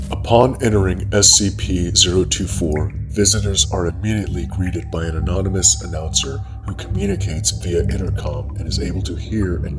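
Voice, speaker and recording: A man reading scripted horror fiction in a measured, formal ASMR narration style. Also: low voice. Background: music.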